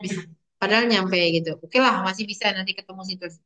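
A woman's voice: medium pitch, rapid-fire, sharp tone. A young adult woman teaching an online language lesson, chatty and playful, calling on her students by name.

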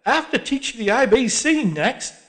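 Man doing loud, slow, gruff old geezer, cantankerous. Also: extremely high pitch, very animated, pitched above the performer's own voice, heavily acted. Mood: grumbling. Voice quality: gruff, pugnacious. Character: grumbling old working-class London man. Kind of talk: audiobook character voice.

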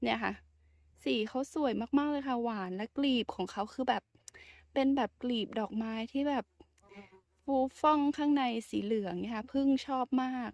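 A woman's voice: fairly high pitch, moderate pace, creaky, no echo, studio quality. A woman chatting casually and politely as she walks through her home garden outdoors, showing her plants. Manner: chatty, soft-spoken, polite with frequent particles. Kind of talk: casual garden tour vlog.

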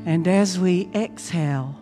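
A woman minister leading a guided meditation in a hushed, soothing, deliberate way, leaving long pauses between short phrases. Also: on the low side. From United States. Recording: long reverb, music behind. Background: instrumental meditation music.

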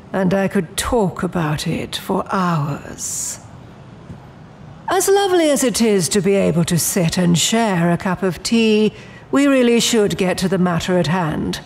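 A woman's voice: mid-range voice, darkish tone, slight background noise. A woman playing a poised, menacing immortal demon in an audio drama, speaking in a genteel, coolly imperious way. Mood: politely firm.

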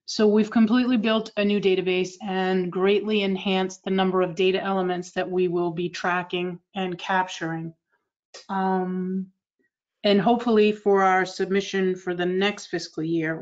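A woman's voice: lowish voice, flat delivery, normal speed, a little mellow. A woman with a Massachusetts accent giving an informal progress report in an online meeting. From Massachusetts, United States. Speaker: state agency representative. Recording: slightly dull online meeting audio.

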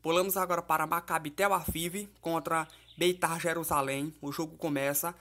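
A football betting tipster does a casual, chatty voice-over of betting tips over app screenshots, recorded somewhere other than the pictured place. His voice is on the high side and fairly bright, with a steady tone and moderate pace. He keeps throwing tag questions at the audience, uses fillers like "né?" and "beleza?", and calls viewers "família" and "galera".

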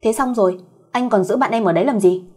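A woman's voice: a little high, fast, darkish tone, slightly rough. A woman voicing a cheeky, teasing, protective young female cousin in a fireside storyteller's audio tale. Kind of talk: acted dialogue in an audio story.

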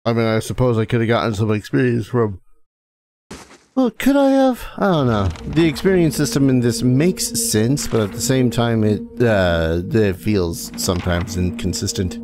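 A man's voice: lowish voice, moderate pace, hardly any pauses. A man hosting a let's play as game master, chatting casually with hesitant, dry, self-mocking humor. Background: game music.

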